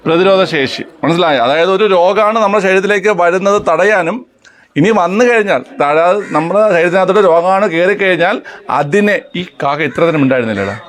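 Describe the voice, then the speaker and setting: A man with a notably high, bright-edged voice runs a quick quiz-style lesson. He fires questions, repeats answers back, and jokes with his students. It is recorded outdoors with crows around. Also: lively intonation. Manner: drills students with questions and repetition, teasing banter. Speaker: exam coaching teacher. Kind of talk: classroom quiz-style teaching.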